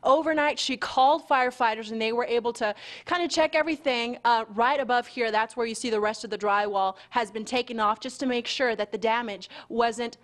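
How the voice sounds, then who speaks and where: A higher-pitched woman with an American accent works as a local TV news reporter. She delivers live and packaged reports from the field in a broadcast style. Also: brisk.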